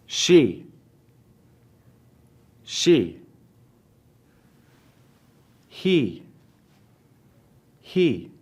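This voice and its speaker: A male teacher from the United States leading an English class, speaking slowly and deliberately and repeating words for his students. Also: mid-range voice, sing-song, a little mellow, slightly rough. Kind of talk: slow classroom drill.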